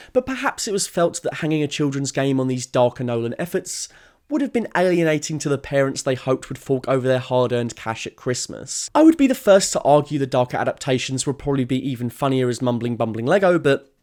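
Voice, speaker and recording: A man's voice: mid-range voice, big pitch swings, brisk, darkish tone. A man narrating a scripted video essay in an opinionated, informal and emphatic way.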